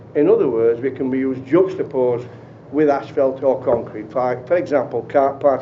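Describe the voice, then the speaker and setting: A man speaks at a moderate pace in a fairly high pitch, with noticeable background noise and audible room echo. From northern England. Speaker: company representative. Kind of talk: sales pitch. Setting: city council meeting.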